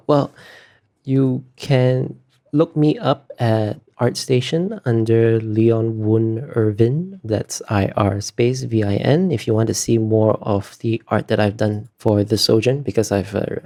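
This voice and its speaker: A man giving casual interview answers as a guest artist, thinking aloud in a halting, self-deprecating way. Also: medium pitch, vocal fry, dark tone.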